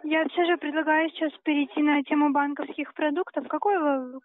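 A woman's voice: high voice, steady tone, brisk. A woman working as a bank telemarketer, formal, polite and persistent on a sales call. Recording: dry, tinny telephone line.

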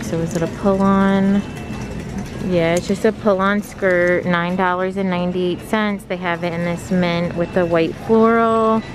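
A woman filming herself shopping for clothes in a large store, describing each item slowly, from a handheld phone. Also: on the low side, low-quality recording. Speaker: fashion vlogger. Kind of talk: shop-with-me narration. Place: large retail store, indoors. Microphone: handheld phone filming the racks.

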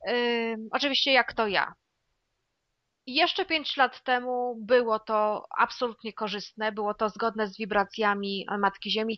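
Woman with high voice, musing aloud. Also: no room sound, highs cut off. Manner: thinking aloud with hesitations, addresses listeners as dear ones. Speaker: clairvoyant co-host answering viewer questions. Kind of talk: casual studio chat.

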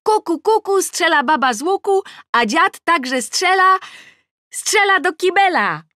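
A woman reading an audiobook voices a cheeky little girl in a high, shrill, shouting voice. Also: expressive, a little slow, dry recording, studio quality, heavily acted. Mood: triumphant.

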